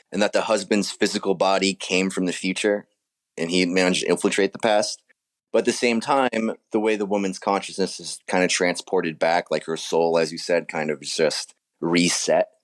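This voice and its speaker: Deep voiced guy, writer guest on a podcast, explains stuff casually, keeps rephrasing mid sentence. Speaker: author guest being interviewed. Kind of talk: casual explanatory interview talk.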